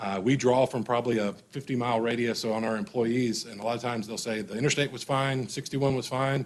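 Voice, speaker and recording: Very fast speech from a man with an American accent and fairly even intonation. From southeast Missouri (Malden). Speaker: warehouse manager presenting to a task force. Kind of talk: meeting presentation. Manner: halting, many repetitions and fillers.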